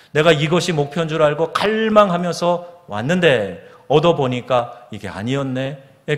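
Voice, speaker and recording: Korean pastor preaching in a reverberant church. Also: male voice, medium pitch. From South Korea. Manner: asks the congregation questions and reads scripture slowly and solemnly. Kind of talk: sermon. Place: church sanctuary. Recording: long hall reverb of a church.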